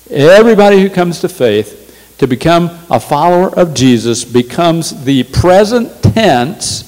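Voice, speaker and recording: A man's voice: medium pitch, darkish tone, big-room sound, rough recording. A male pastor preaching a sermon in a church, emphatic and repeating his key phrases. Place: church sanctuary.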